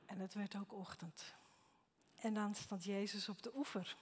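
A woman preaching a sermon, reading and retelling a Bible passage in a slow, reflective way that often sinks to a near whisper. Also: medium pitch, steady tone, husky. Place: church hall. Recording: echoey church hall.

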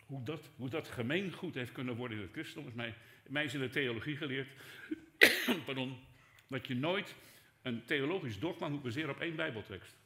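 An older man preaching a sermon as pastor, conversational, dropping to soft asides and rising for emphasis. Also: mid-range voice, expressive, brisk. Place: church hall. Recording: echoey church hall.

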